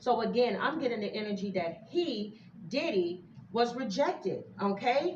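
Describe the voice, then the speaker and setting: A woman's fairly high voice with lively intonation, audible room echo and noticeable background noise. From US South. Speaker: YouTube livestreamer and tarot reader. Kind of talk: live tarot reading stream. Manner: fast; animated.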